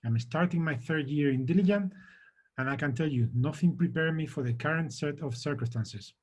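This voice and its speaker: A middle-aged man, head of a school, giving a measured and earnest welcome address to his community. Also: a little high, darkish tone, slightly rough. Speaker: head of the college.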